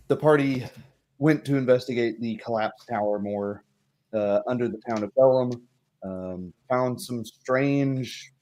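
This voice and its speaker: A tired man chatting casually as game master and host of a livestreamed tabletop game, giving a recap in a halting way. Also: medium pitch, a little mellow.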